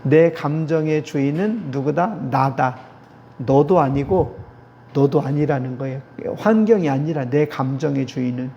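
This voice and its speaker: A man's voice: a little high, creaky, warm tone. A man teaching about prayer and emotions in an earnest sermon-style lecture, repeating key phrases and acting out short prayers. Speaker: pastor or theology professor. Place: church meeting hall. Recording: dull lo-fi recording with faint noise.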